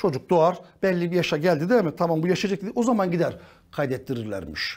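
Lively intonation marks this man's voice. He talks at a fairly quick pace and a high pitch. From Turkey. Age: 40s. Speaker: exam prep teacher. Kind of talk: lecture. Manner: animated. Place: studio. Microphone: lapel.

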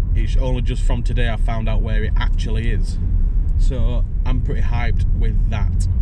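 The man's voice is dry, with no echo, while loud background noise goes on around it. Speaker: bus driver vlogger. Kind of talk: casual vlog chat. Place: car. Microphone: phone near.

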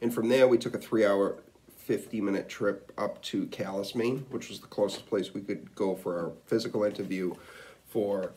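A man with an American accent speaks at a moderate pace in a fairly low pitch, his tone dark and mellow and his intonation fairly even. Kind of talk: casual vlog talk to camera.

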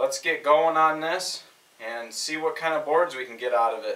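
A man talks at a fairly quick pace. There is audible room echo. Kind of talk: casual tutorial. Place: workshop. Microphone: camera far.

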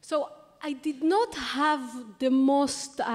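A woman speaks with an Israeli accent at a high pitch. Her pitch variation is ordinary, and the background is quiet. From Israel, from a small town in Emek Bet She'an. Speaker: legal scholar giving an award acceptance speech. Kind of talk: formal speech. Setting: stage. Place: hall. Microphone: podium.

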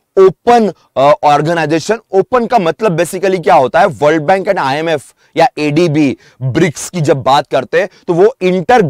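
Lively intonation marks this fairly slow delivery. The sound is dry with no echo, and the background is quiet. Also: man. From India. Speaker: online exam-prep teacher. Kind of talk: live online lecture.

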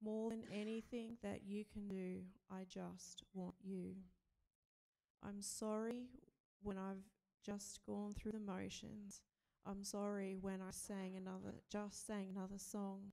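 Against a quiet background, a woman talks at a very slow pace in a monotone, flat intonation, with long, frequent pauses. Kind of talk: short talk then reading song lyrics aloud. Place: church. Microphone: podium.

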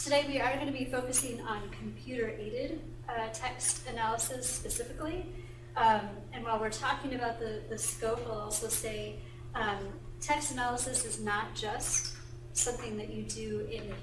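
Moderate pace from a woman's voice, amid noticeable background noise. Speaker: presenter. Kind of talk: lecture. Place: classroom. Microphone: camera far.

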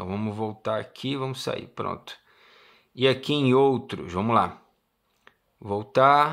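Speaking with a Brazilian accent, a man holds a medium pitch and ordinary pitch variation at a fairly slow pace in a very clean recording with a silent background. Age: 30s. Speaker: tech youtuber. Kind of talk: product review. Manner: casual, chatty.

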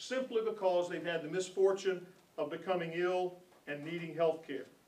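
A high-pitched man speaks in a room with audible echo. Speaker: minister. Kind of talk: prepared speech from a script. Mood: earnest, persuasive. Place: meeting room. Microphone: handheld.

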